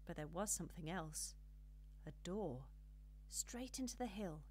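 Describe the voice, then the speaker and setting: A woman reading a children's storybook as an audiobook narrator, with an expressive, measured storytelling delivery. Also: fairly low pitch, a little hiss or hum.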